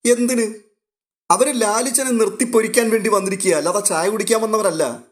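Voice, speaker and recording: A man's voice: high-pitched, a little fast, voice pushed up, lightly acted. A man voicing an agitated, protective old grandfather who speaks bluntly and urgently in a storybook reading. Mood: agitated warning. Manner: urgent, warning tone.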